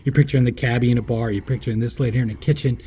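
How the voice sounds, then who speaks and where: A podcast co-host chats casually, telling stories with animation and acting out the quotes. His voice is medium-pitched and racing, with slight background noise.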